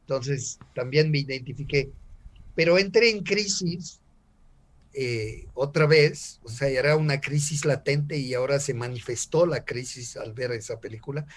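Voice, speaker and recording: A man's voice: mid-range voice, a little slow. An older man, a native French speaker with a French accent, reflecting on personal stories in conversation and repeating words as he searches for them.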